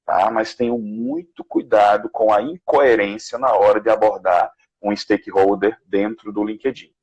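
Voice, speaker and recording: A man with a Brazilian Portuguese accent, a guest sales manager on a live video call, giving animated career advice and acting out sample messages. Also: normal speed, breathy edge, low-quality recording. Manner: animated, acts out sample messages with rising pitch. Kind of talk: live online career chat.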